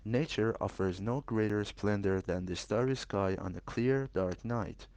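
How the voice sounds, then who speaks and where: A man's voice: on the low side, a little slow, darkish tone, no echo. A man reading scripted academic passages aloud with careful, formal delivery. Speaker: exam practice reader.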